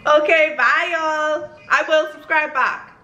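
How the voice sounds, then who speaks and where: A young woman from the Bahamas, chatting with strangers in a casual, bubbly, flattering way. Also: high voice, slow, lo-fi sound. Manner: bubbly, flattering, laughs often. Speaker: vlogger. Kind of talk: casual video chat with strangers. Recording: echoey room, faint noise.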